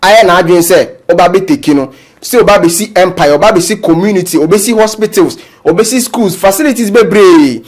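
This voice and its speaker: A man presenting gossip news, commenting in an animated storytelling way. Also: high voice, moderate pace. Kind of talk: news commentary mixing Twi and English.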